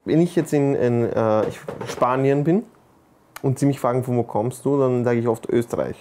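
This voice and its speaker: A man's voice: mid-range voice, normal speed, mellow, slight background noise. A young man chatting casually in an interview, explaining himself through little examples. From Austria. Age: young adult. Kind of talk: casual chat, telling by example.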